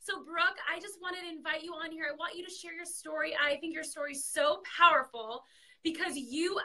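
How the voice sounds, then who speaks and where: A woman's raised, projected voice, bright and sharp in tone, with lively intonation, a moderate pace and a quiet background. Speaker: live show host. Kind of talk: casual live chat introduction. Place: home room. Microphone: webcam.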